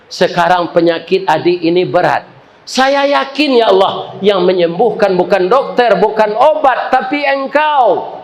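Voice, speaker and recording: A man with a Minangkabau accent voicing a gentle, pious male hospital director who speaks in a soft, pleading way. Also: high voice.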